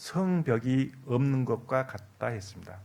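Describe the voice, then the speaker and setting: Medium pitch in a male voice, varying in pitch in an ordinary way. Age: 60s. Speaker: missionary preacher. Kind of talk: sermon.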